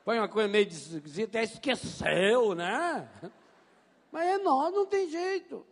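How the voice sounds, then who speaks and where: A priest preaching a sermon, telling stories in an animated way and mimicking voices. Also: male voice, very high voice, measured pace. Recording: long hall reverb.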